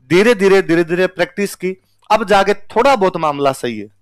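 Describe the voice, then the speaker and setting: A man's voice: sits high, lively intonation, normal speed, no room sound, clean studio sound. Chatty Rajasthani male teacher telling stories. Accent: Rajasthani Hindi. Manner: conversational, anecdotal, self-mocking. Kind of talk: storytelling lecture to students.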